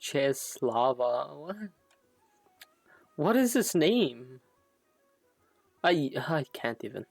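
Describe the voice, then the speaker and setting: A woman's voice: extremely low pitch, sing-song, very slow, creaky, long pauses, darkish tone, no echo, faint music behind. A woman live-streaming a game, commenting casually and reading the on-screen text aloud.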